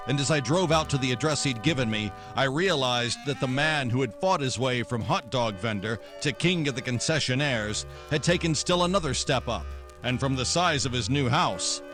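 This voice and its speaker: A man's voice: mid-range voice, lightly acted. Hard-boiled radio gumshoe, male actor, middle register, dry and cynical, music underneath. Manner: terse, wry, dry. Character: world-weary hard-boiled male private detective. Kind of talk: 1940s noir radio drama narration and dialogue.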